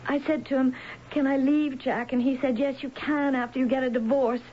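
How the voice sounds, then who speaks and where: An actress playing a frightened, trapped young wife in a radio drama, anxious and halting as she pleads. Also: sits high, fairly even intonation, natural voice. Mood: fearful, resigned. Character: frightened, trapped young wife, Anna, fleeing violent husband. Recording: dull, noisy vintage radio broadcast.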